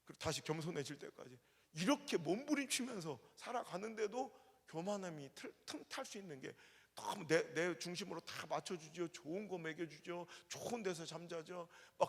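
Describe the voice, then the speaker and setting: Gravelly male preacher in a reverberant hall. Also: high-pitched, expressive, brisk. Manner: earnest, confessional, bursts into loud playful banter. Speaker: guest revival preacher. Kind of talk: revival sermon. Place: church sanctuary.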